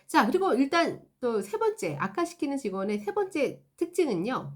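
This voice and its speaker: Woman trainer explaining complaint handling, fairly high voice, lots of melody. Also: normal speed. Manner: animated, acts out example dialogues. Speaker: customer service trainer. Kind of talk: instructional talk.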